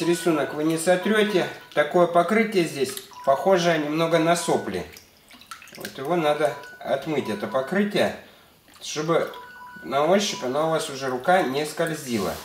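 A man's voice: a little high, expressive, unhurried, faint music behind. A man in his thirties hosting a casual hands-on workshop tutorial, explaining steps with lots of fillers while a little under the weather, recorded in an indoor garage workshop on a close handheld camera. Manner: explanatory, repeats "то есть", filler-heavy. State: slightly ill. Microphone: camera mic, handheld close.

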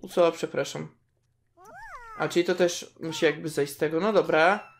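With a deep voice, fairly even intonation, and some vocal fry, this woman hosts a gaming video at a moderate pace. She chats away to her game characters, reacts as she plays, and squeals at cute bits, while slight noise sits in the background.

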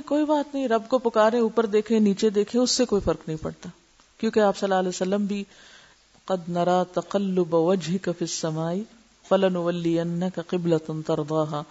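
An Islamic teacher, a woman with a mid-range, slightly mellow voice, gives a religious lecture, explaining terms and asking her listeners rhetorical questions. The recording is muffled and lo-fi.

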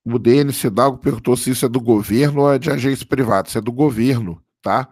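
A man, hoarse from a cold, casually commenting on a live stream and answering viewer chat, often checking in with "tá?". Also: medium pitch, quick pace, a little mellow, no echo, clean studio sound. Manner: casual, keeps adding "tá?" for confirmation. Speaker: livestream host.

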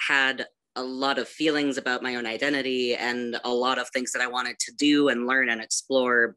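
Young man, bright crisp tone, thoughtful pauses, video call from home. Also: mid-range voice, rough recording. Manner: thoughtful, hesitant, with pauses and "kind of". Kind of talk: reflective panel talk. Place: home room, yellow wall.

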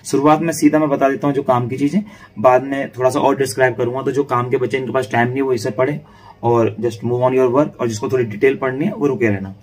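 A man's voice: mid-range voice, fairly even intonation, fast talker, far from the mic, rough recording. A man teaching an informal online literature class, chatty and repetitive, often calling his students "beta" and checking in with them. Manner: chatty, addresses students as "beta", repeats and checks "theek hai". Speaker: online English literature tutor.

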